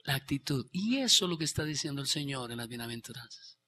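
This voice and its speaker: A man pastor, preaching a sermon with animated bursts of shouting and quiet asides. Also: mid-range voice, quick pace, slight background noise.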